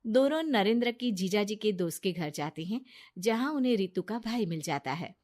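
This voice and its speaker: A woman with a mid-range voice narrates a cartoon story at a moderate pace, in a plain, steady storytelling manner.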